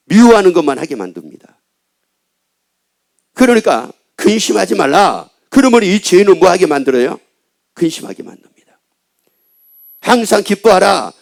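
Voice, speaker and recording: Animated, high-pitched Korean pastor preaching. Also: male voice, gravelly. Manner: call-and-response questions to the congregation; colloquial, repetitive preaching. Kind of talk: sermon.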